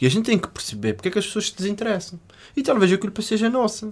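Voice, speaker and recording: A man talks at a very fast pace. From Azores, Portugal. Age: 30s. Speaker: lawyer and football club president. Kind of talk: casual interview. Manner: animated; halting.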